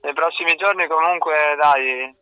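Man, landline phone, high voice, hesitant short answers, dull lo-fi sound. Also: normal speed, pushed and bright, smooth, dry recording. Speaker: singer calling in to a show. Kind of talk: casual phone chat with a host.

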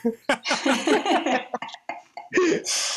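A man hosting a casual chat, animated and laughing often, mixing in English. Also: very high voice, drawn-out words, a loud crowd. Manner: animated, laughing, code-switching. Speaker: podcast host.

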